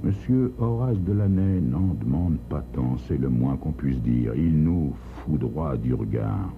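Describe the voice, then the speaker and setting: A man's voice: extremely low pitch, lively intonation, unhurried, music in the background. A man narrating a crime story, dramatic and wry. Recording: tinny lo-fi recording, faint hiss.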